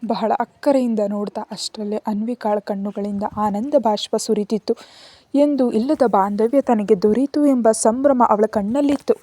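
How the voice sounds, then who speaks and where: Female storyteller, calm even narration, fairly high voice, dry close sound. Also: normal speed, no echo.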